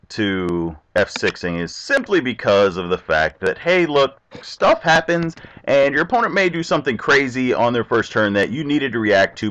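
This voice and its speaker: A young man narrates his online card game from a home desk mic, chatty and self-talking. His pitch swings widely and stays lively. The recording sounds somewhat dull and lo-fi. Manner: chatty, animated, talks to himself and the opponent. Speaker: gameplay commentator. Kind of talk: casual game commentary.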